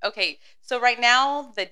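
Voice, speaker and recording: Thirties woman guest, bright crisp voice, keeps agreeing, laughs easy. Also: fairly high pitch, unhurried. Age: 30s. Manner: agreeable, says yes often, laughs. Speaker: guest, boutique owner. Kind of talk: casual chat.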